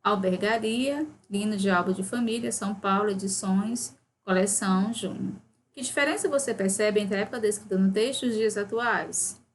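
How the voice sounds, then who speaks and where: A woman's voice: medium pitch, normal speed, a little hiss or hum. A woman with a Brazilian Portuguese accent, teaching a seventh-grade grammar lesson, reading exercises aloud and checking in with frequent "né?" tags.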